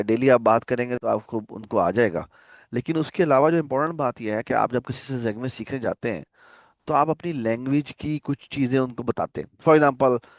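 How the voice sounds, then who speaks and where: Recorded dry and at studio quality, a medium-pitched man leads a programming class on a video call. He keeps it casual and conversational, often pausing to ask students whether they understand.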